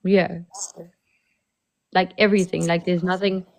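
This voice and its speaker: A woman's voice: on the low side, little pitch movement, a little slow, creaky, darkish tone. A woman in her thirties from South Africa, hosting a casual livestream chat, laid-back and laughing as she tells stories. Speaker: livestream host.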